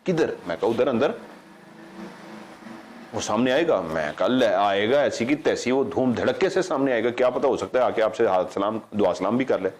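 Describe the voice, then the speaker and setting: There's slight background noise as a middle-aged Pakistani man, fairly low-pitched and moderately paced, spins a casual story as host of a paranormal show. He brings quoted speech to life, digresses, and pauses to fix what he's said.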